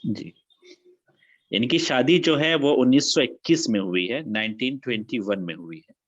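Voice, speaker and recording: A man's voice: mid-range voice, fairly bright tone, lo-fi sound. A man teaching an online class, repeating key facts and dates.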